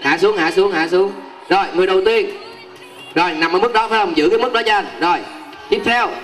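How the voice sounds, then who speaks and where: A man's voice: high-pitched, quick pace. A young man with a southern Vietnamese accent hosts a game show on stage, teasing people and hyping the crowd. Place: outdoor evening banquet stage. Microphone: handheld microphone. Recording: loud music, live PA at outdoor event.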